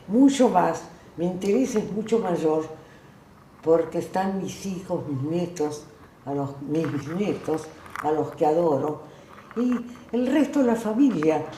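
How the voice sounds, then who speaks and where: With audible room echo around her, a woman speaks at a very slow pace with long, frequent pauses, a fairly low pitch and lively intonation. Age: 90s. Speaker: writer. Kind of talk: interview.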